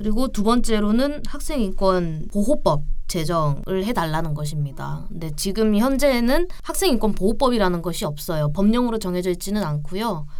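A woman at medium pitch with very wide pitch swings, a moderate pace and hardly any pauses, amid audible room echo and noticeable background noise. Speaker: party podcast host. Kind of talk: policy explanation; podcast interview.

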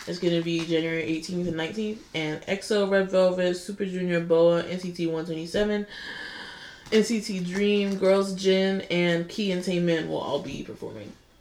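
Here a woman talks at a fairly low pitch and a fairly slow pace. Room echo can be heard. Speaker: podcast co-host. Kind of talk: casual chat. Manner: animated.

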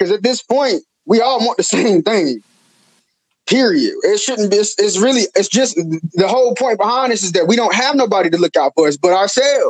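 A man's high-pitched voice at a fairly quick pace, with lively intonation, very even loudness, and a dry, close sound with no echo. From North Carolina, Gaston County. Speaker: podcast co-host, hospital worker. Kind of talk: casual chat.

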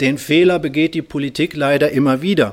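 At a moderate pace, a man uses an ordinary speaking voice with fairly high pitch and ordinary pitch variation. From Germany, Cologne. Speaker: economist. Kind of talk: lecture. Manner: formal.

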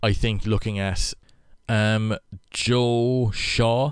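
A man with an Irish accent, a medium pitch and monotone, flat intonation on a very clean recording with a silent background. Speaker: rugby podcaster. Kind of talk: solo listener-mail podcast. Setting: recording at a caravan park.

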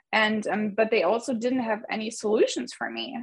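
A woman's fairly high, somewhat breathy voice proceeds at a moderate pace. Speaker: program graduate sharing recovery story. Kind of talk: testimony. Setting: video call.

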